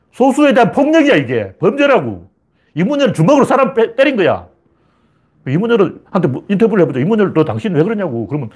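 A man's voice: fairly high pitch, darkish tone, husky. A man giving a heated political monologue, emphatic and blunt, acting out taunting questions. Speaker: political commentator.

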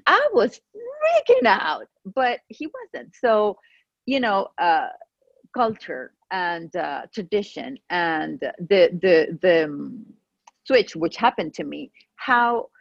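A middle-aged woman whose first language is Spanish, a pharmacist guest telling stories in an animated way with many restarts, on a remote call. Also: medium pitch, slow pace, creaky, no room sound. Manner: animated storytelling with frequent restarts. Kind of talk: casual conversational interview. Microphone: remote call microphone. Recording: dull lo-fi call audio.

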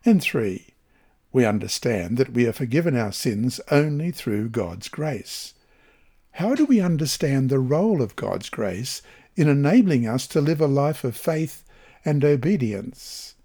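A man reading a Bible study lesson aloud in a measured, even scripted delivery. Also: mid-range voice. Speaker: lesson reader.

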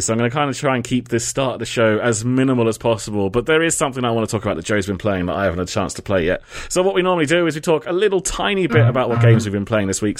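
A man's voice: mid-range voice, no echo, studio quality. A man hosting a casual podcast, rambling and joking at his own expense. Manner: jokey, rambling, laughs at himself. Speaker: podcast host.

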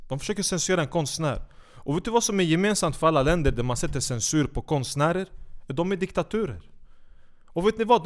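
A man with a high, smooth and resonant voice launches into an angry rant. He swears constantly and mocks his targets with biting sarcasm, scolding them as if they were right in front of him. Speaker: commentator. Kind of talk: heated profane rant.

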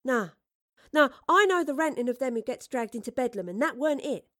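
Woman acting as streetwise young Elizabethan woman, defiant, colloquial, higher-pitched, dry close storybook sound. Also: animated, a little fast, a bit bright, no room sound. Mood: defiant, suspicious. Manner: blunt, colloquial, challenging. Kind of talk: acted audiobook dialogue.

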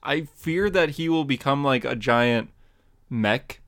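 A man's voice: mid-range voice, slow, fairly bright tone. A man co-hosting a podcast about comics, chatting casually and rambling, with frequent laughs mid-sentence. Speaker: podcast co-host and comic artist. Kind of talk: casual chat.

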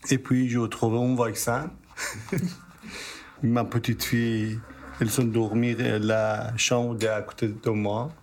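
A man learning French, describing his drawing to a workshop group in halting sentences, laughing shyly. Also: mid-range voice, little pitch movement, a little mellow, slight background noise.

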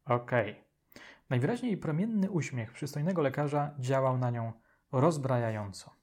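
A man narrating an audiobook in a measured, expressive reading. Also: mid-range voice. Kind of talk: scripted narration.

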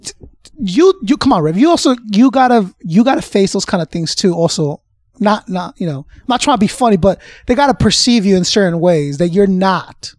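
A man's voice: sits high, brisk, no room sound, clean studio sound. A man hosting an interview, chatting casually and joking, often stumbling over his words and restarting. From United States. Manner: animated, jokey, stumbles and restarts. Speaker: interview host.

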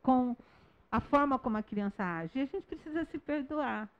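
Woman teacher addressing parents, soft patient delivery, slightly high voice, muffled recording. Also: expressive, normal speed. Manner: gentle explaining tone, acts out dialogues with children. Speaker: early childhood teacher. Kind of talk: talk to parents on nonviolent communication. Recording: dull lo-fi sound.

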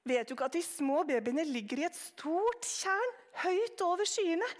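A woman's voice: very high voice, pitched above the performer's own voice. A woman voicing a fussy, flustered elderly aunt who tuts at a cheeky child. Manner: tut-tutting, fussy.

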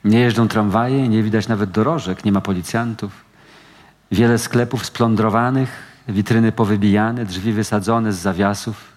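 A male actor giving a measured, expressive dramatic reading of first-person literary prose at a book event. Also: on the low side. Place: event hall at a book meeting. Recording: long hall reverb.

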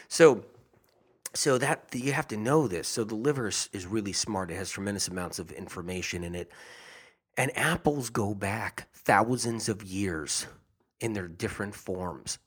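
A man talking casually and earnestly to his audience about health, rambling and often repeating himself. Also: low-pitched. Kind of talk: casual monologue.

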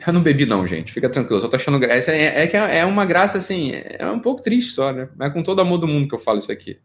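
A man's voice: a little high, racing. A middle-aged Brazilian man giving an informal psychology lecture, joking and firing off rhetorical questions. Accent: Brazilian Portuguese. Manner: animated, jokey, rhetorical questions.

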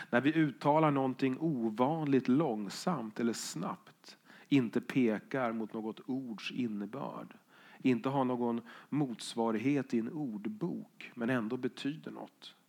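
Gravelly-voiced man giving a reflective lecture. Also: medium pitch. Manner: reflective, measured delivery with quoted passages. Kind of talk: spoken lecture on the voice.

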